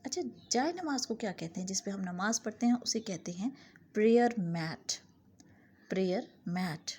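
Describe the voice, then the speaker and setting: A woman teaching English vocabulary, saying each word pair twice and the English words slowly. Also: mid-range voice, animated, a little mellow, slight background noise. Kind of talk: vocabulary lesson.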